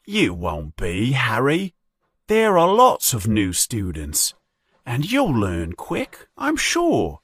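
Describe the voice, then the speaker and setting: A man's voice: mid-range voice, huge pitch swings, slow pace, fairly bright tone, breathy edge, dry recording, exaggerated voice. A man voicing a friendly, slightly nervous young schoolboy in a storybook reading. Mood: earnest.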